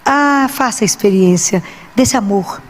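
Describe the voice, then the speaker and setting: Woman preacher, earnest storytelling sermon, medium pitch, long hall reverb. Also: a little slow. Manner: earnest, storytelling with quoted dialogue.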